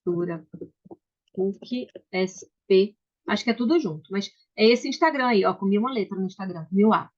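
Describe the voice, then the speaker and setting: A Brazilian woman with a mid-range voice talks briskly while hosting a book club over video. She's chatty and welcoming in the casual call, often starting sentences over, and the audio sounds slightly dull.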